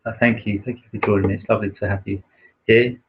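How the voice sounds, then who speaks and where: A soft-spoken man with a naturally quiet voice, hosting a livestream and slowly reading a spiritual text, with many pauses and fillers. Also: lowish voice, little pitch movement, a little hiss or hum. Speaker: livestream host reading aloud. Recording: dull lo-fi livestream audio.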